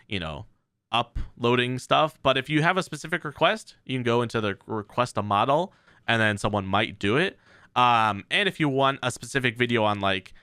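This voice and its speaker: Man, tech tutorial host, informal, hesitant step-by-step delivery, lively pitch, crisp tone, unscripted. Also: no echo, studio quality. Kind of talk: casual unscripted software walkthrough.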